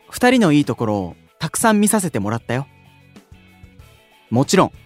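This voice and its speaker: Casting: a gentle, earnest young leader with a lively, expressive delivery. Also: male voice, fairly high pitch. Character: earnest kind young male idol leader. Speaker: unit leader, station-worker idol. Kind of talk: anime-style voice drama acting.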